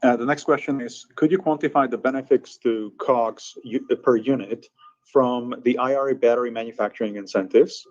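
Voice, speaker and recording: A man's voice: medium pitch, steady tone, normal speed, darkish tone. Man moderating a muffled call. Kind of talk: reading out investor questions. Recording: muffled, band-limited conference call audio.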